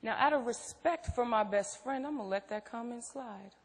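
A woman's voice: fairly high pitch, normal speed, lightly acted. A woman acting in a stage play as a protective, outspoken best friend, blunt, probing and emphatic. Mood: firm. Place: theatre stage. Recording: echoey theatre hall.

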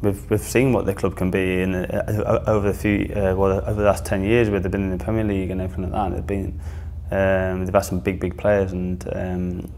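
Low, flat-voiced northern English young man. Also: fairly quick, hardly any pauses, a little hiss or hum. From northern England. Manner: hesitant, many fillers and restarts. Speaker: football player. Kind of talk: casual interview answers. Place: small studio, indoors.

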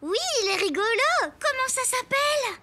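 Squeaky, excitable little cartoon schoolchild. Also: female voice, moderate pace. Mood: playful. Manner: eager, wide-eyed, childlike. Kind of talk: children's cartoon voice acting. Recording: loud music behind the voice.

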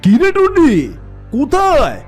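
A high, wildly animated cartoon tiger. The big bully is boastful and blustering, throwing out challenges over background music. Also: female voice, takes it slowly, heavily acted. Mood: boastful, challenging. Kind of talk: children's cartoon voice acting.

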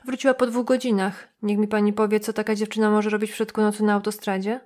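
A woman's voice: mid-range voice, flat delivery, quick pace, darkish tone, lightly acted. A woman voicing a nosy, suspicious middle-aged male motel receptionist who lectures and gossips.

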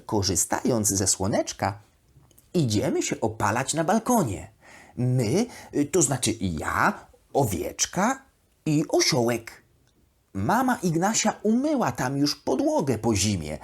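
A woman voicing a sweet, naive plush duck who tells her diary as a children's bedtime audio story, in an expressive, deliberate way. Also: low-pitched, breathy edge, exaggerated voice. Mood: cheerful.

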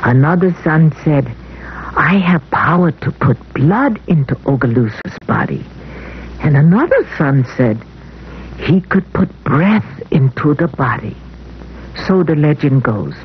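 A woman playing a mother who tells her children an old folktale in measured, deliberate storytelling, on a muffled old film soundtrack. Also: low-pitched, expressive, a little hiss or hum. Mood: solemn storytelling. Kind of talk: scripted folktale narration. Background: music.

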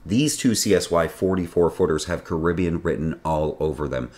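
A man's voice: low voice, normal speed, a little mellow. A man in his forties hosting a sailing channel, giving a scripted narration from a home office with a chatty, wry delivery.

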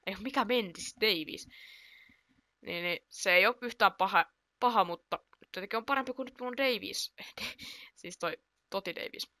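Woman, casual gameplay commentary, excitable, self-deprecating, bright tone, dry close sound. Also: mid-range voice, dry recording. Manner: chatty, excitable, reacts aloud to play, self-deprecating. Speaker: gaming YouTuber.

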